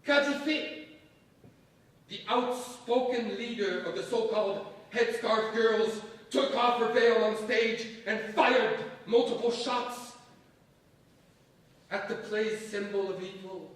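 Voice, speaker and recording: A theatrical, grandiose coup leader declaims in a high voice at a slow pace. He dictates with weighty, dramatic pauses, as in a staged reading. The sound is very echoey and distant. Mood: solemn, grand. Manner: deliberate, dramatic, emphatic pauses. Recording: echoey stage from far off, faint noise.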